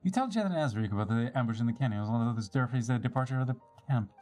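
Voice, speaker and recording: A man with a mid-range, slightly mellow voice races through video game dialogue on a live stream, animated and theatrical as he switches character voices. He sometimes stumbles over a word and rereads the line, with music playing behind.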